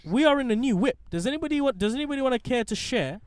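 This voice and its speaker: A man's voice: very high voice, very fast, smooth, dry recording. A young man with a London accent hosting a casual, joking podcast from inside a parked car. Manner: animated, playful, joking. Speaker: podcast host.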